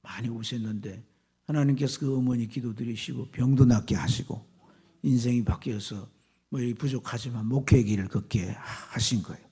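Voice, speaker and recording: A man, a pastor, preaching a sermon with fervor, swinging from loud exclamations to hushed whispers. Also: mid-range voice, fairly even intonation, moderate pace, husky.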